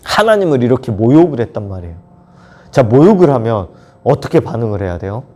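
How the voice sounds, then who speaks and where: A young man, a children's ministry pastor, telling a Bible story to kids in an animated storytelling way and acting out the characters. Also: medium pitch, quick pace. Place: church, recorded alone. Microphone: camera mic, unmasked solo recording.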